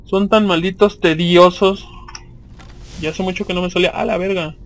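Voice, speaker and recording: A man's voice: high-pitched, fairly even intonation, moderate pace, slight background noise. A man with a Mexican accent giving casual, slangy, profanity-laced commentary as he plays a video game.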